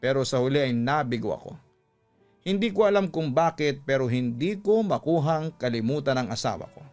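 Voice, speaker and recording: A man narrating a scripted love story for radio in an emotive, deliberate storytelling manner. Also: mid-range voice, expressive, a little mellow. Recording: music under the voice.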